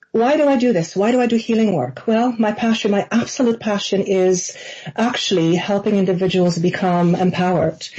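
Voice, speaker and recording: Noticeable background noise sits behind a woman with a medium-pitched voice. She talks at a fairly quick pace with very even loudness and ordinary pitch variation. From Poland. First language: not English. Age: 40s. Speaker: psychic medium and radio host. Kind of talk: radio show monologue. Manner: some hesitation with fillers.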